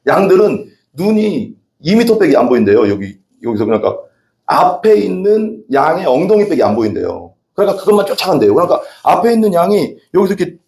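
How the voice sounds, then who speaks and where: A man's voice: fairly high pitch, big pitch swings, a little fast, gravelly, darkish tone. A man preaching a casual, conversational sermon, often asking the congregation questions. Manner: chatty, asks the congregation questions. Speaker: pastor. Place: church sanctuary. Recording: echoey church room.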